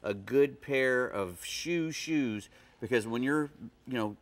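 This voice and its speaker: A man's voice: mid-range voice, lively intonation, takes it slowly. Middle-aged man rambling about fishing. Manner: rambling, restarts, folksy fishing talk. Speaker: fishing guest expert. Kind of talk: casual studio chat. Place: TV studio set.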